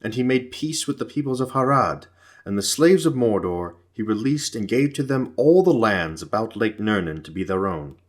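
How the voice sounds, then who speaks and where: Guy reading epic fantasy audiobook, kinda low voice, formal n measured. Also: expressive. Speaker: audiobook narrator. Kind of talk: scripted narration of epic fantasy.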